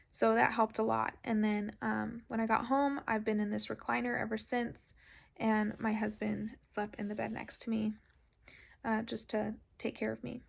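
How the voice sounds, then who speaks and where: Creaky-voiced woman, casual and even-toned. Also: on the high side. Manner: halting, frequent "like" filler. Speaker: patient vlogger recounting surgery. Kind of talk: casual personal storytelling.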